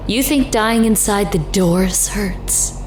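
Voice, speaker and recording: An actress playing a mocking, sadistic attendant of supernatural rooms in an audio horror drama, crude and playfully menacing. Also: female voice, mid-range voice, slow pace, darkish tone, slight background noise, lightly acted. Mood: threatening. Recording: roomy echo, music underneath.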